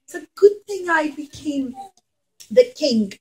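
A woman voicing an emotional young male ruler in a children's puppet story, earnest and drawn-out. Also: sits high, lively intonation, darkish tone. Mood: earnest, reassuring. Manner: slow, earnest, drawn-out pleading.

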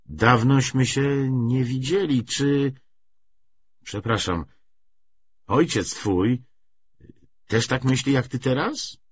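A man's voice: medium pitch, takes it slowly, long pauses, breathy edge, muffled recording, pitched above the performer's own voice. A man reading aloud the part of an earnest, insistent young man who questions with stiff, forced politeness. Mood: stiffly polite.

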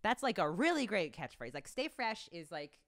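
A young adult woman co-hosting a podcast at home, talking in a rambling, animated way full of fillers, close to a desk mic. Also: mid-range voice, normal speed. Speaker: podcast co-host. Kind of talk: casual chat. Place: home studio room with bookshelves. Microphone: desk broadcast mic on boom arm.

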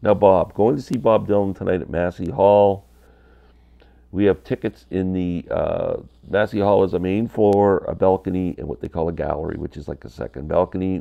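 A man's voice: sits low, vocal fry, highs cut off. A man in his fifties with a stuffy cold, chatting casually to camera from his basement about records. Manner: chatty, candid, gestures a lot with hands. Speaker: vinyl collector vlogger. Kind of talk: casual rambling vlog. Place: basement room, indoors, small.

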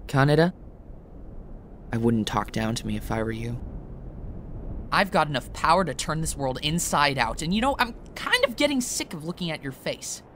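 A man's voice: on the high side, very animated, moderate pace, a bit bright, a little hiss or hum. A man voicing an arrogant, resentful teenage boy with destructive powers in an anime fan dub, taunting and sneering. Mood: smug, menacing.

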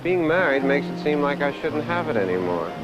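An actor playing an anguished, defensive young husband in a naturalistic 1970s film. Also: male voice, a little high, big pitch swings, fairly quick, lo-fi sound. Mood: confessional.

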